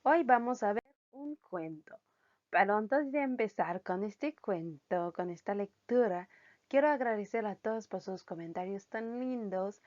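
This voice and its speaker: A woman's voice: medium pitch, lively intonation, unhurried, darkish tone. A woman French teacher giving a language lesson, spelling out letters and repeating each sound. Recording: dull lo-fi recording.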